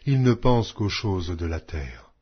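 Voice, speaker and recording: A man narrates scripture in a solemn, declamatory style. His voice is husky and moves widely up and down in pitch as he phrases each line slowly and deliberately. The recording sounds slightly dull. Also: expressive. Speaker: Bible narrator. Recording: dull, muffled lo-fi audio.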